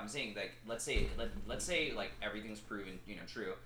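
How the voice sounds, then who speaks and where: Noticeable background noise behind a male speaker going at a very fast pace. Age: 20s. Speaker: podcast host. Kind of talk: casual chat.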